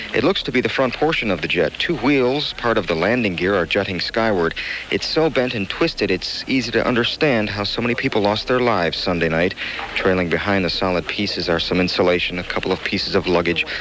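A man's very fast, serious delivery at a fairly low pitch, very even in loudness, with ordinary pitch variation over noticeable background noise. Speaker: radio news reporter. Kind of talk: 1980s radio news report, on-scene. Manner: clipped, serious, scripted-sounding.

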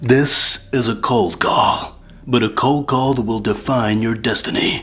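A dramatic put-on character voice at a fairly slow pace, with light background noise. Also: man, medium pitch for a man. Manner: dramatic, portentous.

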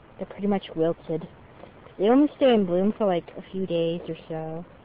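Light background noise behind a woman, the sound dry with no echo. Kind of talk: casual vlog chat. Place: garden. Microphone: phone near.

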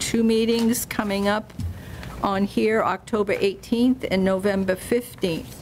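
Noticeable background noise sits under this recording. A woman speaks at a very slow pace with ordinary pitch variation. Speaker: committee chair. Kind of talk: chairing a public meeting. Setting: meeting room around a table. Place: meeting room. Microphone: podium.

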